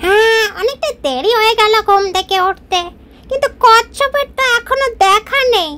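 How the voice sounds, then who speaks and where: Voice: very high voice, lively intonation, moderate pace, pushed and bright, heavily acted. A performer voicing a boastful, overconfident hare in a children's cartoon, talking in a smug, mocking way. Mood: complacent. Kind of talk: children's moral-story cartoon dialogue.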